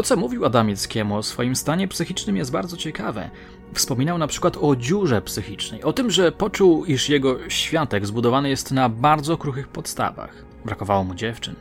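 A man narrating a true-crime story in a measured, dramatic way, letting his phrase ends drop low. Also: lively intonation, creaky. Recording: faint music bed under the voice.

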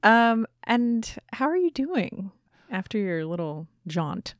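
A woman's voice: fairly high pitch, big pitch swings, slow, no echo. A woman co-hosts a casual comedy podcast. She talks in a playful, conversational way, recorded close with hardly any room sound. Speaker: podcast co-host. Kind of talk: casual comic podcast chat.

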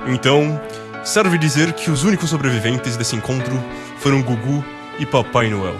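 A man's voice: mid-range voice, moderate pace. A man narrating a scripted comedic radio play in a dry, mock-solemn manner. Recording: music clearly behind the voice.

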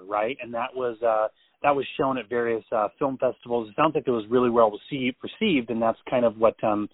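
A man's voice: medium pitch, no room sound. Man asking rambling questions over a phone line. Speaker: podcast host interviewer. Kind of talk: casual interview questions. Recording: tinny dry phone line.

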